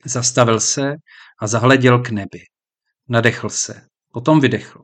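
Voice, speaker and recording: A man's voice: medium pitch, fairly even intonation, a bit bright. Man narrating a historical audiobook.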